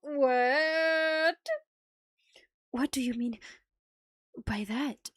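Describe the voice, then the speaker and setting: High-voiced, excitable woman streamer. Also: extremely slow, no room sound, clean studio sound. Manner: animated, excitable, teasing, exclaims and swears freely. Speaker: streamer playing a visual novel. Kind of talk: reading game text aloud with reactions. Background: music.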